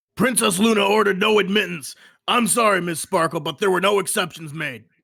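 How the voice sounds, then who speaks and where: This man uses a put-on character voice, high in pitch and fairly quick in pace. The recording is very clean, with a silent background. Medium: audio drama. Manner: formal, polite.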